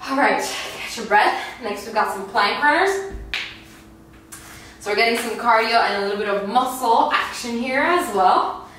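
A woman's voice: on the high side, normal speed, a bit bright. A young woman giving casual, informal workout instructions, explaining each exercise. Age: young adult. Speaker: fitness instructor. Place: bare white indoor room. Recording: echoey room, distant mic, faint noise.

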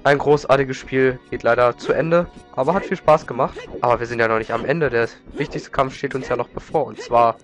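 Male let's player, mid-pitched, slightly stuffed up from a cold, informal rambling commentary over game music. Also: a little fast, few pauses. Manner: informal, rambling, repeats words. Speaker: let's play host. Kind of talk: casual video game commentary. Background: video game music.

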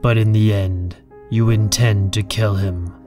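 Cold, proud, low-voiced man acted. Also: steady tone, a little slow, warm tone, faint music behind, close to an everyday voice. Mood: cold, stubborn. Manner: curt, contemptuous, controlled. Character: cold, proud, defiant man guarding his younger brother. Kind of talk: fan audio drama acting.

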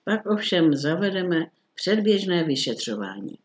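A man voicing a phlegmatic middle-aged police commissioner who talks in a dry, unhurried, grumbly way. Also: sits high, very animated.

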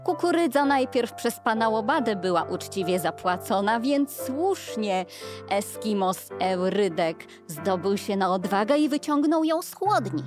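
A woman narrates an audio play for children. She takes her time in a mid-range voice, with clear music playing underneath. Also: medium pitch, animated, unhurried. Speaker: storyteller narrator.

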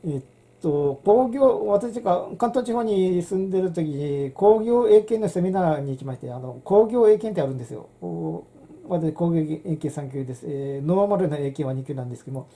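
A woman's voice: fairly low pitch, animated, moderate pace, mellow. A middle-aged woman, hosting a casual handwriting lesson and rambling with many fillers and restarts. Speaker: channel host.

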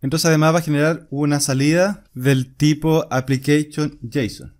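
A man's voice: a little high, steady tone, moderate pace, darkish tone. A man, explaining a coding screencast step by step while he types. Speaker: programming instructor. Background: keyboard typing and clicks.

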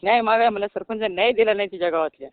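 A man's voice: high-pitched, very fast, dry recording. A man from Maharashtra calling for help, pleading and rambling, repeating himself often. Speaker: caller asking for help. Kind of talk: distressed phone call. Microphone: phone call. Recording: tinny phone line.

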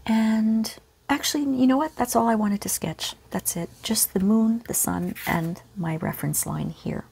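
A woman teaching a relaxed real-time painting lesson at home, speaking softly and often half-whispering. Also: fairly high pitch, normal speed, creaky, husky. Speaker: art teacher. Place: home studio with pets nearby.

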